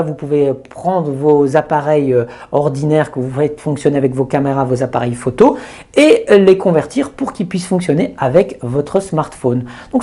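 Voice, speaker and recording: A man's voice: on the high side, mellow, slightly rough. Chatty man demonstrating audio gear. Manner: chatty, hesitant, many fillers and restarts. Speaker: video tutorial host. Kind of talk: casual hands-on gear demo.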